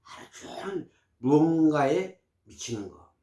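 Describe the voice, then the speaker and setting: Older guy in his 60s preaching health tips, lively up-and-down voice, echoey room. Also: on the high side, takes it slowly. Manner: emphatic, preachy storytelling. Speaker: vlogger. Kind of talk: casual advice talk to camera. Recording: roomy echo.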